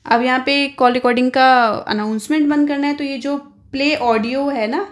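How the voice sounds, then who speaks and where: High-voiced Indian woman giving phone tutorial. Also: steady tone, normal speed. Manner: explains step by step with frequent check-in tags. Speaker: tech tutorial host. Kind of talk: informal spoken phone tutorial.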